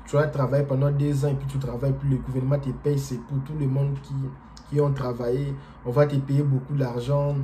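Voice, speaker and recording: A man from DR Congo, not a native French speaker, talks to camera in a relaxed vlog. His voice is very dark and mellow, and his delivery is halting, full of fillers and restarts. Faint noise sits under it. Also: medium pitch. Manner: hesitant, halting, frequent fillers and repeated words. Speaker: vlogger. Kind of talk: casual explanatory monologue.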